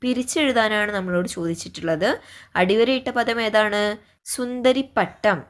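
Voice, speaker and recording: A woman teaches a primary school class in a gentle, patient voice. She reads a short story aloud and then goes through the questions one by one, speaking warmly to the children. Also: mid-range voice, moderate pace.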